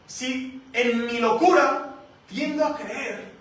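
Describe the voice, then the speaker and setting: A man preaching a sermon as pastor, theatrical and animated, with sound effects and acted-out voices. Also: very high voice, slow. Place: church hall. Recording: echoey hall from far off, faint noise.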